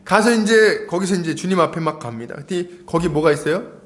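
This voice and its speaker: A man preaching a sermon as pastor, storytelling with animated, acted-out lines. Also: on the high side, a little fast.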